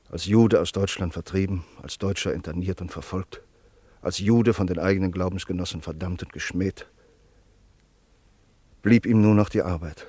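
A man narrating a German radio play in a sober, measured and solemn style. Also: deep voice, a little mellow, breathy edge, no echo.

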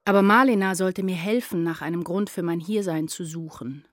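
An actress playing a troubled, introspective woman writer in a literary radio drama monologue, brooding and deliberate. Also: lowish voice, lightly acted. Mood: brooding, reflective. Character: troubled, introspective woman writer narrating her inner life. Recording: music behind the voice.

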